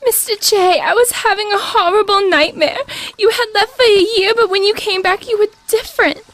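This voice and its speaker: A woman's voice: very high-pitched, normal speed, fairly bright tone. An actress playing a girlish, lovesick but cheeky young villain sidekick in an audio drama, in a cutesy manner. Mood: anxious.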